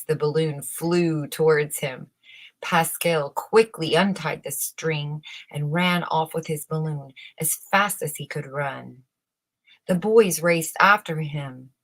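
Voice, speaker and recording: A woman narrates a children's story at a very unhurried pace. Her voice sits a little low, and she shapes her phrases with dramatic emphasis, as in a bedtime read-aloud. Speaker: storybook reader.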